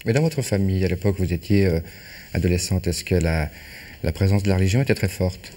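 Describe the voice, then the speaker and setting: A man interviewing a guest in a courteous, measured way, with gently probing questions. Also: low-pitched.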